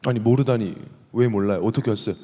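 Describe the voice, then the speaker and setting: A man's voice: mid-range voice, quick pace, dark tone, big-room sound, voice pushed down, close to an everyday voice. A pastor voicing a male angel at heaven's gate who asks questions in a formal, polite way. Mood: puzzled.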